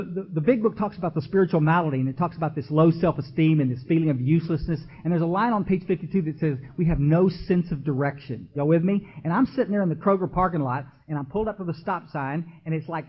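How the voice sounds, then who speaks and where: A man, giving an emotional recovery talk from a podium and speaking straight to the crowd in a folksy way. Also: fairly high pitch. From Texas. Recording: dull lo-fi archival tape.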